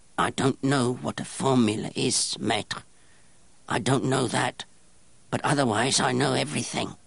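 Putting on a growling character voice, a man speaks at a medium pitch with ordinary pitch variation at a moderate pace, leaving long, frequent pauses over light background noise. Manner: snarling.

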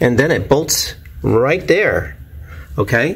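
A man's voice over light background noise. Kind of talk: tutorial. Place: garage. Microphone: phone near.

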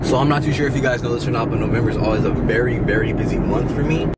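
A man talks at a very fast pace. The sound is dry with no echo, and loud background noise is present. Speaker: vlogger. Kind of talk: casual vlog chat. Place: car.

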